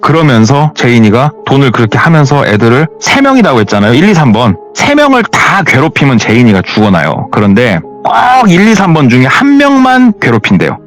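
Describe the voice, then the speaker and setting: A man's voice: medium pitch, wildly swooping pitch, brisk, few pauses, soft background music. A man retelling a listener's true horror story in a conversational, dramatic style.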